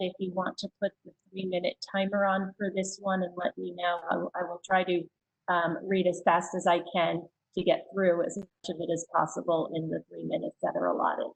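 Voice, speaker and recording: A woman reading written public comments aloud at a school board meeting, steady and plain, with a few hesitant asides. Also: on the low side, moderate pace, vocal fry, poor audio.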